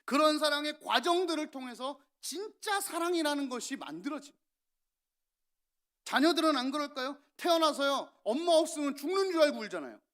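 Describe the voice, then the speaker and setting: A male pastor preaching a sermon, telling stories with lively acted-out lines of parents and children. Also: very high-pitched, fairly quick. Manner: animated storytelling, acting out parents and children.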